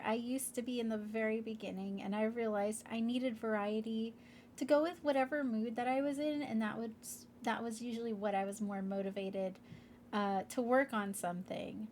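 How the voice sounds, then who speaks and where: A woman's voice: on the high side, steady tone, moderate pace, darkish tone, a little hiss or hum. A woman hosting her crafting vlog in a casual, rambling way, congested and a bit nasal. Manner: rambling, with many fillers. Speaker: crafting channel host.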